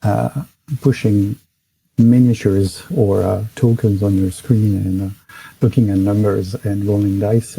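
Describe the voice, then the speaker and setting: With a French accent, a man speaks at a fairly slow pace. His fairly low pitch shows ordinary variation. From France. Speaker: game zine creator. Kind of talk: casual interview. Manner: halting.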